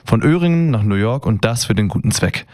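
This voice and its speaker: A man delivering a short regional news report on the radio in a clear, even way. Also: lowish voice, fairly quick, no echo, studio quality.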